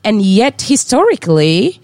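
A woman from West Africa with a West African French accent, a lively guest explaining real estate in a podcast interview. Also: medium pitch, unhurried, no echo.

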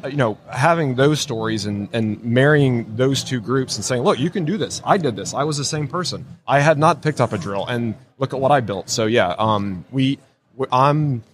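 A man's voice: medium pitch, animated, moderate pace, a little hiss or hum. A man hosting a podcast interview at a convention, enthusiastic and rambling, with many restarts and fillers. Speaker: podcast host. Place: convention floor.

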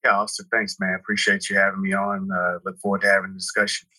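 A man from Houston, Texas, in his forties, talking as a podcast interview guest in a relaxed, rambling way full of "you know" fillers. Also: low voice, quick pace, dry recording, poor audio. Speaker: guest, real estate brokerage founder. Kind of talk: casual interview talk.

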